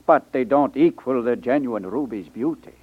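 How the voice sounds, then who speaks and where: A man's voice: mid-range voice, normal speed, no room sound, natural voice. An actor playing a courteous, fussy middle-aged jeweler in a 1950s radio drama, speaking like a salesman with inverted phrasing. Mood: proud, courteous. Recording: dull 1950s radio recording.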